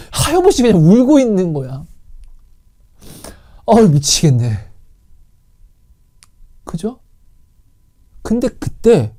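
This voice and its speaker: A woman delivers an impassioned sermon in a warm, mellow voice. Her pitch leaps and dips all over the place as she exclaims and retells the story with feeling. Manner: emotional, exclaiming, acts out biblical quotes. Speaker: preacher sharing testimony.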